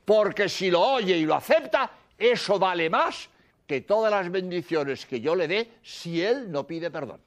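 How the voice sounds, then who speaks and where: A priest preaches in a high, strongly rising and falling voice. He repeats his points with earnest insistence and sinks to a soft murmur when he recites prayers. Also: lively intonation, a little slow. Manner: earnest, repetitive, drops to a hushed murmur for prayers. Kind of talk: sermon.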